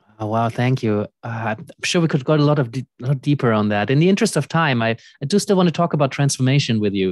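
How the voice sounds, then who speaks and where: Against a quiet background, a man talks at a very fast pace with lively intonation, the sound dry with no echo. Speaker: podcast host and coach; podcast host, coach. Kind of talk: casual chat. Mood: warm, curious. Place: home room. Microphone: studio mic.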